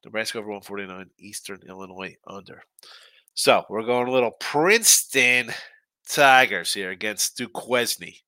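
A man's voice: on the low side, moderate pace, sharp tone, dry recording. Congested, stuffy-nosed male betting host. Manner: chatty and loose, with frequent restarts and asides. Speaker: sports betting show host. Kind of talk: casual live-stream chat reading viewer comments.

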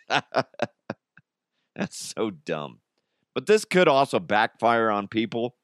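A man's voice: medium pitch, very animated, drawn-out words, fairly bright tone, clear, resonant tone, no echo, clean studio sound. A man hosting a podcast with casual, jokey comedic commentary on the news. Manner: jokey, chuckles at own jokes. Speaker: podcast host.

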